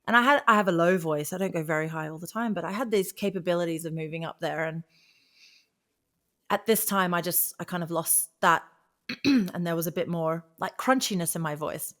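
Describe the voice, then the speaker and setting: Low-pitched woman telling her story. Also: brisk, a bit bright. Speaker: guest, singer and vocal coach. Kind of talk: casual personal storytelling in an interview.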